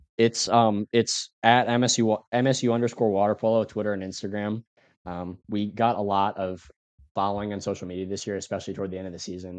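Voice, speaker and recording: Speaking fairly quickly with an American accent, a man with a fairly low pitch keeps a monotone, flat intonation while his loudness swings widely. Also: quiet background. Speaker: water polo club president. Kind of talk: casual interview. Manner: hesitant, filler-heavy.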